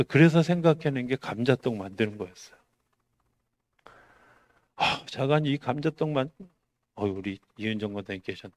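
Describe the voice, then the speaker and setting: A middle-aged male pastor with a mid-range voice delivers a conversational sermon in Korean. He poses rhetorical questions to the congregation, alternating between raised, emphatic lines and quiet, hushed ones.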